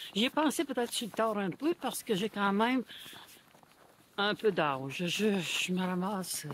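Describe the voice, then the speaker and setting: Pausing long and often, a woman speaks at a fairly slow pace. Her medium-pitched voice swings very widely in pitch. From Quebec, Centre-du-Québec (Chesterville). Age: 70s. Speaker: retired businesswoman, hiker. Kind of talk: casual interview. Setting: outdoors, walking in snow. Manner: halting.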